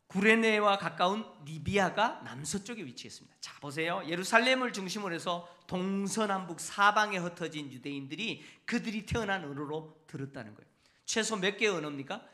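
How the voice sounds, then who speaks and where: Male pastor, sermon delivery, bright forceful tone, teacherly with constant rhetorical questions. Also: sits high. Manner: teaching, asks the congregation frequent rhetorical questions. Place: church sanctuary.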